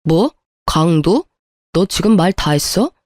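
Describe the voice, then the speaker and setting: A bitter, grasping ex-husband who keeps accusing and defending himself, as a woman reader puts him on. The voice is mellow and low-key, and the recording is dry and close with no room sound. It is the dialogue of a read-aloud story. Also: expressive, slow, no room sound. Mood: indignant. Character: bitter greedy ex-husband, adult man. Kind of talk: storybook narration with acted dialogue.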